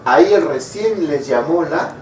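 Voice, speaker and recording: A man with a high voice preaches slowly, stopping often to ask his listeners rhetorical questions. He is recorded from far off, in a room with a strong echo and faint ambient noise. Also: expressive, darkish tone. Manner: asks the congregation rhetorical questions. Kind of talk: sermon. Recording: echoey room, mic far off.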